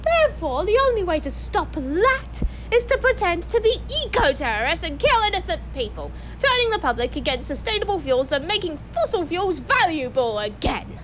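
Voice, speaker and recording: Woman acting a very high-voiced, scornful villainess. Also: very animated, moderate pace, hardly any pauses, a bit bright, a little hiss or hum, full character voice, rough recording. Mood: exasperated. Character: cynical nihilist female mercenary leader posing as eco-terrorist. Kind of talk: amateur audio drama acting.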